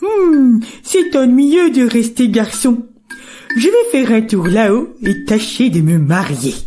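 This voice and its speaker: Faint music plays behind a put-on character voice that sounds female, pitched fairly high and delivered at a fairly slow pace. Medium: audio drama.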